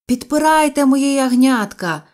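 A woman voicing a cheerful farmer father who loudly calls out to his many children in a storybook reading. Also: sits high, expressive, unhurried, voice pushed up. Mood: rallying. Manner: loud rallying calls. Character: jolly farmer father shouting to kids.

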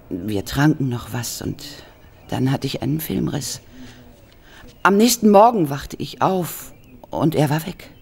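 A woman playing an embittered, frightened Hollywood actress, telling her story in a halting, dramatic German horror radio play style. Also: low-pitched, vocal fry, a little mellow, husky, full character voice.

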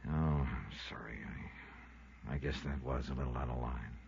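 An American man playing a tough, sardonic but soft-hearted investigator in a 1950s radio drama, with clipped, wry delivery. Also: rumbling low, fairly even intonation, normal speed, gravelly, a little hiss or hum. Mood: softened, awkward. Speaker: lead actor and narrator. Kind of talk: 1950s radio detective acting. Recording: dull, muffled vintage radio recording.

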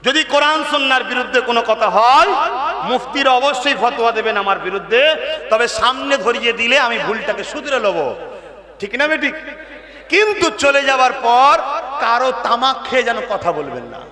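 A man preaching an impassioned sermon, shouting and firing rhetorical questions at the crowd. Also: very high-pitched, animated, brisk. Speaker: Islamic preacher. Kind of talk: fiery open-air sermon. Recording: echoey loudspeaker sound with long reverb.

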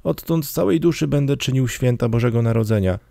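A man's voice: medium pitch, sing-song, normal speed, creaky, mellow, no echo, clean studio sound, pitched above the performer's own voice, full character voice. A man reading an audiobook, voicing a terrified old male miser who desperately pleads with a spirit in a raised, anguished voice. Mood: fervent vowing. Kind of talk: audiobook character voice.

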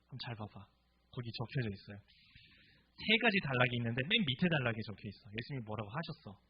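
A man's voice: medium pitch, big pitch swings, quick pace, husky. A male pastor giving a casual, interactive sermon in a church room, speaking informally and quizzing his listeners with repeated questions. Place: church room with a group of forty or fifty. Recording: dull lo-fi recording.

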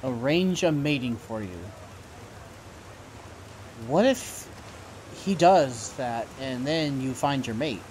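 A young male werewolf, played by a man, teasing and optimistic. His delivery is slow and full of lively swings, in audio drama style over faint ambient noise. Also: mid-range voice. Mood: encouraging. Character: teasing, upbeat werewolf friend, twenty-three.

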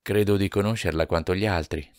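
A man reading aloud voices a shy, tender middle-aged bookseller who speaks hesitantly and gently. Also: sits low, fairly quick, no room sound, studio quality, voice pushed up, close to an everyday voice. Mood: gentle.

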